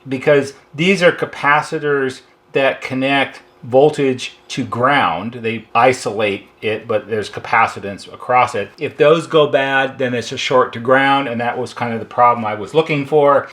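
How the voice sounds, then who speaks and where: A man's voice: mid-range voice, fairly bright tone. An American man with a mid-range voice talks through a hands-on technical repair. He explains it step by step in an informal, conversational way, like a technician showing his work. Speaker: electronics repair technician demonstrating.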